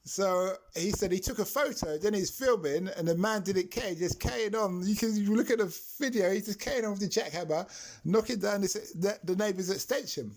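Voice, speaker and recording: A taxi driver who hosts a podcast tells anecdotes chattily, laughing through his stories. His voice sits high and moves fairly quickly.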